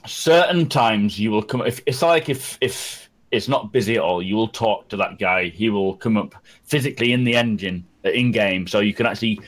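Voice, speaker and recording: A Scottish man hosting a casual gaming podcast, animated, laughing often and acting out quoted lines. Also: lowish voice. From Scotland. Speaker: podcast host.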